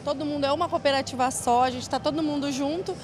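A woman's voice: high voice, steady tone, fast, background noise. A young woman from São Paulo city, a bank branch manager answering interview questions cheerfully into a handheld mic in a large event hall. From São Paulo city, Brazil. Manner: cheerful, laughs easily. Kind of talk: casual interview chat. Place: large indoor event hall with rows of chairs.

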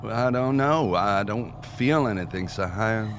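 A man's voice: on the low side, animated, slight background noise. Dazed, stubborn young man. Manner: halting, defensive. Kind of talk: naturalistic audio drama acting.

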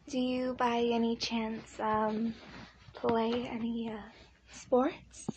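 A woman as a shy, halting high-voiced schoolgirl. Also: slight background noise, low-quality recording. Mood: shy, nervous. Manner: hesitant, halting, apologetic. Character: shy, insecure teenage girl, weepy school mascot. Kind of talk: improvised ASMR roleplay.

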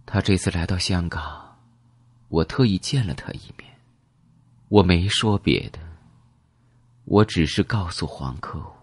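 A man voicing a grieving, blind elderly grandmother in an audiobook, telling her story in a quiet, bitter way. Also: fairly low pitch, slightly rough, no room sound, studio quality, full character voice.

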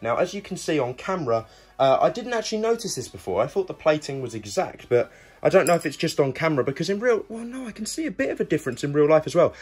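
A man's voice: on the high side, breathy edge. Young man, casual video reviewer. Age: young adult. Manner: conversational, addresses viewers as guys. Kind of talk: casual product review to camera.

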